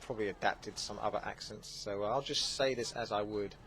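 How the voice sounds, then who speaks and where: A man with an Essex accent, hosting a gaming channel, answering viewer questions in a relaxed, chatty way with plenty of fillers. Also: lowish voice, fairly quick, slightly rough, low-quality recording. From England. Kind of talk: casual Q&A commentary.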